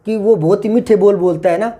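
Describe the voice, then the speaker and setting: A man's voice: sits high, brisk, dark tone. An older man with a Rajasthani Hindi accent, teaching a Hindi lesson in an explanatory way, often checking that students follow. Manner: explanatory, repeats and checks understanding. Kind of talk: classroom lesson on phonetics.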